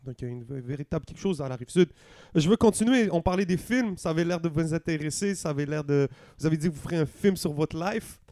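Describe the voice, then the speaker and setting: Relaxed man, mellow voice. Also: on the high side, fast, few pauses, no room sound, studio quality. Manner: relaxed, mixes French and English slang. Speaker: podcast co-host. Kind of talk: casual interview chat.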